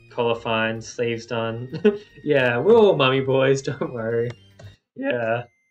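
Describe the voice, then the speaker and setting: Over music in the background, a man with a medium-pitched voice and ordinary pitch variation talks at a very slow pace, leaving long, frequent pauses. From Australia. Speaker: gaming streamer and English teacher. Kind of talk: casual chat while gaming.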